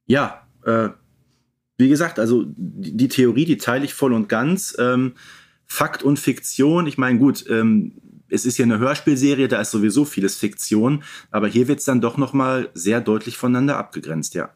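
A man with a mid-range voice discusses things on a podcast. He sounds measured and analytical, feeling his way through each thought in casual conversation. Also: mid-range voice, animated. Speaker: podcast co-speaker. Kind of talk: casual podcast discussion of children's audio dramas.

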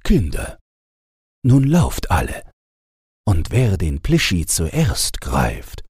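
Man playing a playful father, husky and animated. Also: low-pitched, extremely slow, exaggerated voice. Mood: cheerful urging. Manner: calling out, gently chiding. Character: playful, fond father calling to his children.

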